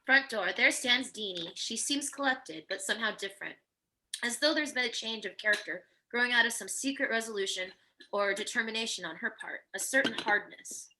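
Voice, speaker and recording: A woman's voice: a little high, a little fast, noisy background. A woman narrating a screenplay, reading stage directions in a scripted table-read style.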